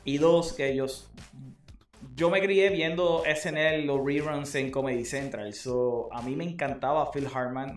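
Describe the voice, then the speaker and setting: Man, podcast host, animated casual chat, echoey room. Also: medium pitch. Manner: animated, mixes English phrases into Spanish. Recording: roomy echo with faint music.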